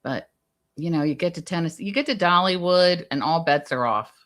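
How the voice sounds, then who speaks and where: A woman chatting casually on a livestream, agreeable and quick to jump in. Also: lowish voice, expressive, fairly bright tone. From Guatemala.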